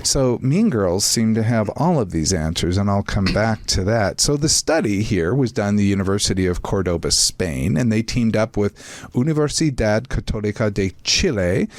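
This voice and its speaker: A man's voice: on the low side, dry recording. A man hosting a psychology talk show, explaining research in a chatty, self-deprecating way with asides to his co-hosts. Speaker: podcast host, psychologist. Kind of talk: casual explanatory chat.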